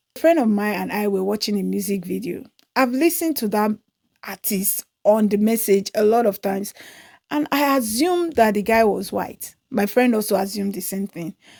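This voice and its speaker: A woman with a dark, mellow tone and lively intonation talks at a moderate pace in a dry, close sound with no echo and a very clean, silent background. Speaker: video commentator. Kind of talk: opinion monologue.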